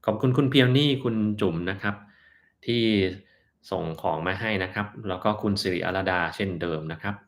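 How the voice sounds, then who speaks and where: A man's voice: fairly low pitch, lively intonation, fairly quick. Blunt, offhand man answering health questions. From Thailand. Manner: blunt, offhand, sometimes mocking in quoted asides. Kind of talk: casual live-stream Q&A.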